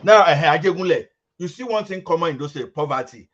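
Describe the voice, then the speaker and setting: A man from Lagos, Nigeria, making his point in a group discussion over a call. He talks emphatically and haltingly, repeating words and mixing in pidgin. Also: a little high, expressive. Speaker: discussion participant. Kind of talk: heated group chat on a call. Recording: muffled online call audio.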